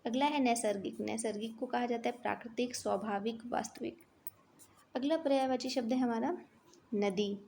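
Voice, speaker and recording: A woman teaching an exam vocabulary lesson, reciting lists of words and repeating each list more softly. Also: on the high side, moderate pace, creaky, slight background noise.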